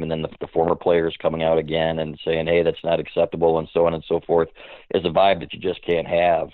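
A man's voice: low voice, no echo. A man joining a sports podcast as a guest editor, giving blunt, candid opinions in casual talk. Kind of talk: casual interview. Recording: tinny phone line, dry.

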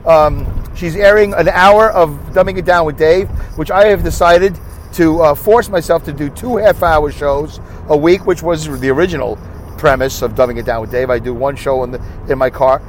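A man with a Brooklyn accent hosting a rambling, self-mocking podcast from his car while driving on a highway. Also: normal speed, poor audio. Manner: chatty, self-mocking, stream of consciousness. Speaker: podcast host. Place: inside a moving car on a highway. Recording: faint car road noise. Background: road and engine noise.

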